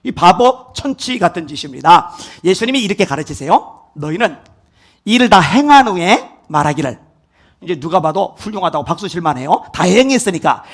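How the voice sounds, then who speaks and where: A man preaching from the pulpit in a notably high voice. He rises to loud, emphatic peaks and then drops to hushed, close asides. His delivery is that of a sermon to a congregation. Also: sing-song, normal speed. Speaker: pastor.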